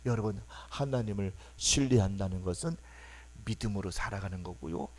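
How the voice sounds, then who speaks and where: A man's voice: lowish voice, normal speed, darkish tone, slight background noise. A man preaching a Sunday sermon as pastor, emphatic and prompting the congregation to answer back. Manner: emphatic, calls for congregation responses, acts out quoted voices. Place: church sanctuary.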